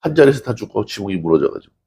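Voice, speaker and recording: A man's voice: on the low side, big pitch swings, very fast, mellow, a little hiss or hum. A male pastor preaching a sermon in a conversational way, asking the congregation questions and acting out scripture dialogue. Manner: acts out dialogue from scripture stories.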